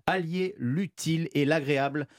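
A man presenting a good-news segment on a radio show, jokey and quick to laugh at his own puns. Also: on the high side, dry recording, clean studio sound. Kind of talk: playful radio chat segment.

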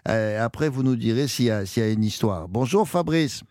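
A man hosts a radio show in a light, joking way, chatting with his guests. His voice sits at an ordinary pitch. The sound is dry and close, with no room around it. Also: expressive, darkish tone, no room sound. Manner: jokey, chatty, quick asides. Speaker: radio host. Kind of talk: casual radio chat. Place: radio studio.

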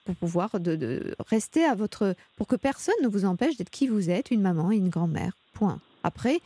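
A woman hosts a radio call-in advice show, giving counsel in a calm, measured, reassuring way. Her voice is mid-pitched and she speaks into a close studio microphone with a dry sound. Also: breathy edge, dry recording. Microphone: studio mic.

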